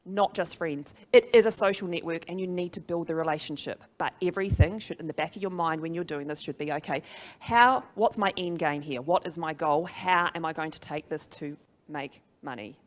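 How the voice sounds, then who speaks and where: In a motivational business talk before a live audience, a middle-aged New Zealand woman speaks in a fairly low register and a little fast. A social media trainer and speaker, she's chatty but emphatic and keeps turning questions back to her listeners.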